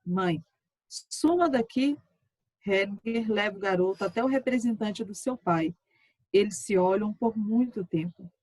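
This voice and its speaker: Woman teacher reading a transcript; steady, measured, mid-pitched, close and dry. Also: no echo. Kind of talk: reading a session transcript aloud.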